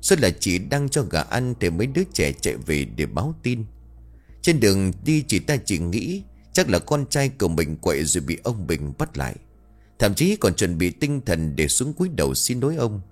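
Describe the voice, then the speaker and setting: Lively male storyteller, low voice. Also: moderate pace. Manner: steady, dramatic narration. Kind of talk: dramatic story narration.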